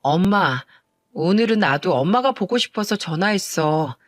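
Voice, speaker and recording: A woman's voice: fairly low pitch, lively intonation, normal speed, dry recording, close to an everyday voice. A woman putting on a weary young female teacher, plaintive, complaining, dry recording. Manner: tired, complaining to her mother. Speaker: elementary school teacher.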